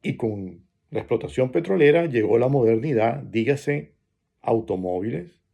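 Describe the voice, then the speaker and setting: A man from Venezuela with a Venezuelan Spanish accent, giving a reflective spoken essay and pausing often between phrases. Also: mid-range voice, lively intonation, vocal fry, dark tone, breathy edge.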